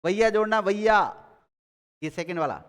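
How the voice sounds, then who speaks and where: A man's voice: high-pitched, moderate pace, a bit bright, smooth, big-room sound. A man teaching a grammar class, quizzing his students and repeating key words as they take notes.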